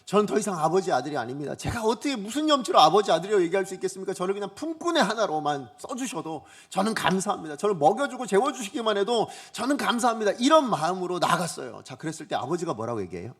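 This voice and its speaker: A man's voice: high voice, very animated, quick pace, hardly any pauses, fairly bright tone, breathy edge. A man preaching a Sunday sermon as pastor, asking the congregation questions and acting out quoted voices. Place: church sanctuary.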